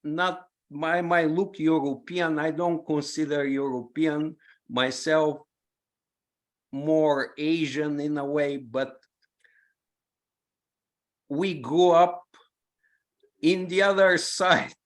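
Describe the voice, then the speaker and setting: An older man with a Bulgarian accent making a halting, emphatic comment from the audience at a public talk. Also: a little high, fairly even intonation. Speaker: audience member, peace activist.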